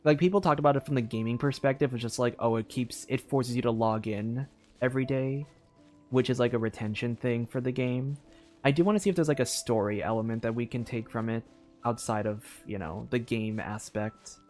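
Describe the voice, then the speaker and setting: A young man streaming a story game, thinking out loud in a loose, rambling way with lots of filler words and restarts. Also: mid-range voice, fairly quick, soft background music. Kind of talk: casual live-stream commentary.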